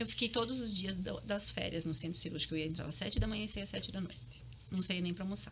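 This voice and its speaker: Talking at a very fast pace, a woman with a medium-pitched voice and ordinary pitch variation is heard against noticeable background noise. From Santa Catarina, Brazil (Timbó). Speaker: physician, aesthetic clinic director. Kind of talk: casual interview.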